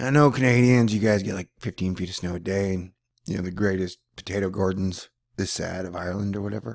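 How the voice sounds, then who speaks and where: A man's very deep, low voice in an animated tone, with a fairly quick pace and ordinary pitch variation, on a very clean recording with a silent background. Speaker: weather commentator. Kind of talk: weather commentary; casual, jokey weather commentary over forecast model maps. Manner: animated, excitable, riffing with exclamations like 'wow' and 'super crazy'; laid-back, jokey, slangy.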